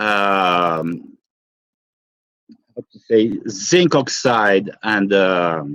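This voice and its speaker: A man speaks at a very slow pace. His pitch is fairly low, with ordinary variation. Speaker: workshop participant. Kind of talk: testimony. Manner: halting.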